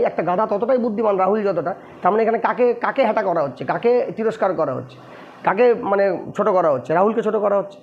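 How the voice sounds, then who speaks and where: A man's voice: sits high, a little hiss or hum. A man with a Bengali accent teaching English grammar, repeating points and asking his students rhetorical questions. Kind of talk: explaining lesson to students. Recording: dull lo-fi recording.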